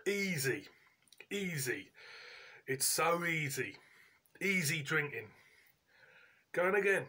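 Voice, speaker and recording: A man, giving a casual, chatty review in colloquial, halting phrases as host. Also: a little high, lively intonation, pushed and bright. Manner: informal, colloquial, pauses mid-sentence. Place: indoors, living room at home.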